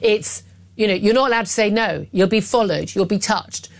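A woman's voice: mid-range voice, moderate pace, gravelly. A woman hosting a talk radio show, speaking emphatically and with sarcasm, full of restarts and asides.

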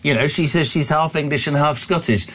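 A man's voice: fairly high pitch, a little fast, fairly bright tone, husky. A man hosting a radio phone-in show, chatting casually with plenty of fillers and hesitations. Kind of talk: casual talk radio chat.

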